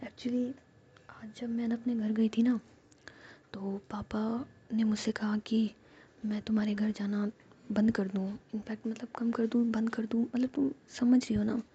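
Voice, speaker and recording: A woman's voice: a little high, level tone, unhurried, warm tone, breathy edge, highs cut off, exaggerated voice. A woman whispering the part of a torn, pleading young woman in love. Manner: pleading, apologetic.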